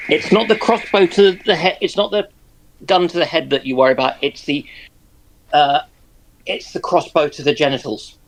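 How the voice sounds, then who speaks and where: A man with a slightly raised pitch chats casually on a live stream. He thinks aloud through his points and drops in jokes, with keyboard typing heard in the background. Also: steady tone, moderate pace, rough recording.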